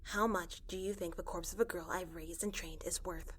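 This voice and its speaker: A woman's voice: lowish voice, fairly even intonation, normal speed, a bit bright, husky. Woman as a cold, curt crime boss. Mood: cold menace. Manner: curt, stern, controlled. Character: cold, menacing, hard-bitten spaceship crime boss. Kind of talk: science fiction audio drama.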